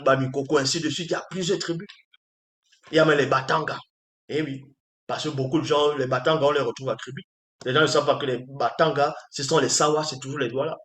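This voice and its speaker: A man's voice: medium pitch, fairly bright tone. A man preaching a monologue in an emphatic, repetitive way, often firing rhetorical questions at his listeners. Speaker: spiritual teacher. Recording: roomy echo.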